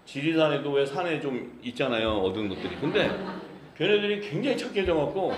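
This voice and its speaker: A man's voice: on the high side, big pitch swings, a little fast, noisy background. A man from Busan, preaching a sermon as pastor in a jovial, laughing manner and reading scripture. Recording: echoey church hall with congregation. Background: congregation answering amen.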